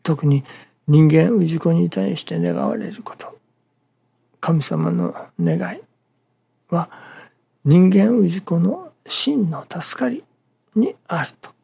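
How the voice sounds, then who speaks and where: A minister giving a morning sermon in a halting, measured way, breaking phrases with pauses and dropping some words to a near-whisper. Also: medium pitch, sing-song, creaky, mellow, breathy edge.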